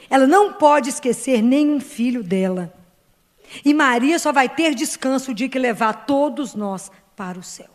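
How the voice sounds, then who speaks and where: A woman's voice: high voice, long reverb tail. A woman from Brazil, leading a prayer group in an earnest devotional talk, speaking directly to her listeners.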